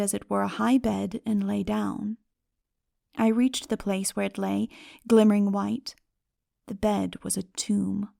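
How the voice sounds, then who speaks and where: A woman reading a literary story as a dramatic audiobook narrator, solemn, measured and expressive. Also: medium pitch, gravelly, dry recording, clean studio sound.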